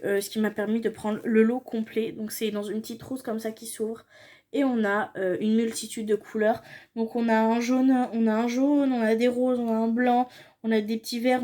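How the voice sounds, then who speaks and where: A woman's voice: on the high side, a little mellow. A young woman chatting casually in a makeup haul vlog, gushing and repeating her praise. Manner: gushing, repeats "trop, trop beau". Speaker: beauty vlogger.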